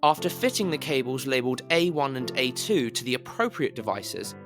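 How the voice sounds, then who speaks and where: A man delivers scripted voice-over in a lively, swooping, mid-pitched voice. His articulation is overly careful and a little pushed, and the room can be heard around him. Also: brisk. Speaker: voice actor on a demo reel. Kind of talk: scripted commercial and instructional narration. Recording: roomy, reverberant home recording, music bed. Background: music bed in places.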